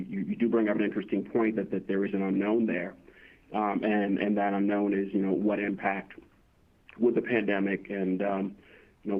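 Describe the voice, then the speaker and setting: A man answering as a company executive on a conference call, speaking haltingly and often repeating words as he reasons aloud. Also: fairly low pitch. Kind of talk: earnings call answer, unscripted. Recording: muffled phone-line conference call.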